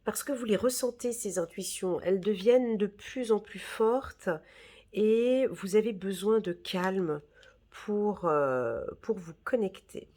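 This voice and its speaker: A woman's voice: mid-range voice, expressive, slow, mellow. Chatty woman reading tarot. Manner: chatty, reassuring, many fillers and "d'accord?". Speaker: tarot reader. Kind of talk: casual tarot reading monologue.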